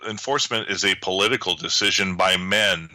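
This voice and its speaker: A man's voice: deep voice, fairly quick, pushed and bright, no room sound, rough recording. A man in a heated political discussion who talks insistently, repeating phrases to hold the floor. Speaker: guest commentator.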